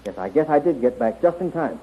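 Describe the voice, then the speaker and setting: A man's voice: on the high side, expressive, brisk, lightly acted. Guy playing young space hero, swoops up and down, bold n theatrical, old muffled noisy radio serial. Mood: excited. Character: eager young space-adventure hero, confident and devoted. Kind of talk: 1930s radio serial acting.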